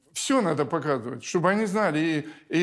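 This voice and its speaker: With lively intonation, a man speaks at a moderate pace in a fairly high pitch. Room echo is audible. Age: 80s+. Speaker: theatre director and actor. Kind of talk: interview.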